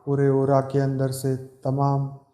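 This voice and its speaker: Slow-paced man guiding meditation, echoey. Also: mid-range voice. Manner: calm, soothing, measured with long pauses. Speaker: meditation guide. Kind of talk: guided meditation, slow repetitive instruction. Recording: roomy echo with background music. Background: meditation music.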